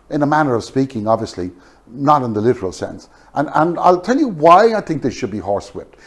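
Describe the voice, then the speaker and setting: A man with a fairly high voice gives an opinionated political commentary. His pitch moves in lively, wide swings as he stresses his points. The delivery is emphatic and scornful, built around rhetorical questions. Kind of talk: opinionated monologue commentary on news.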